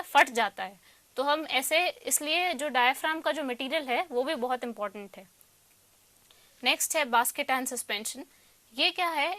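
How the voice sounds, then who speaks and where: A woman's voice: sits high, bright, forceful tone, dry recording. A woman with an Indian accent lecturing as a teacher, posing questions and answering them herself, repeating points and switching between two languages. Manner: explanatory, repeats points, mixes Hindi and English. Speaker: electronics teacher. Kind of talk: lecture with self-posed questions.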